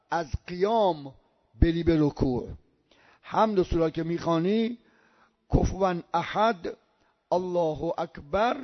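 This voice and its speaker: Older man teaching prayer, muffled recording. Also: high-pitched. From Iran. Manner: slow drawn-out recitation of Arabic sounds. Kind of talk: religious lesson.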